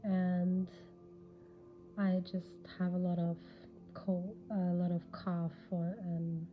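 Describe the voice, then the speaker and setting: A woman with a cold and a raspy, hushed voice, giving unscripted spiritual guidance hesitantly, with long pauses. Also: fairly low pitch, level tone. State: has a cold, irritated throat. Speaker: spiritual podcast host. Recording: dull lo-fi audio with background music. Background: music.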